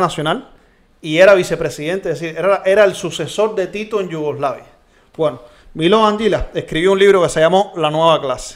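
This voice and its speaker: A man with a Cuban accent speaks at a fairly quick pace. His high voice has ordinary pitch variation. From Cuba, Santa Clara. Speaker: talk show host. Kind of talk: casual discussion.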